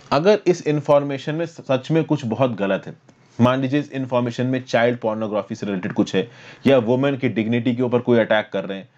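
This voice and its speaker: A young man lecturing for exam prep over slides, explaining step by step and reading legal text slowly. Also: mid-range voice, a little mellow, lo-fi sound. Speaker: current affairs teacher.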